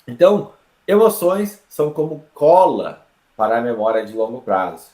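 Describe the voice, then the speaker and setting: A Brazilian man teaches an online lesson with a voice of middling pitch. His delivery is lively and explanatory, full of quick checks on the listener. The room around him gives a clear echo. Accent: Brazilian Portuguese. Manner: lively, explanatory, with frequent tag questions. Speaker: English teacher.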